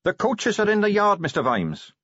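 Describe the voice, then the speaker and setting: Guy doing a keen young watch captain, high and bright, all sir this sir that, husky edge, dry dull recording. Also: wildly swooping pitch, moderate pace, no room sound, exaggerated voice. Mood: earnest. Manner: eager, respectful, keeps saying sir. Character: earnest polite young male watch captain. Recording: dry, slightly dull lo-fi sound.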